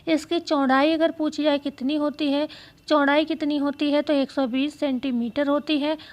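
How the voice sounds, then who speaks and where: A woman teacher going through exam questions, speaking slowly and repeating key phrases so students can write them down. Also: sits high, fairly even intonation. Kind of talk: exam-prep lesson.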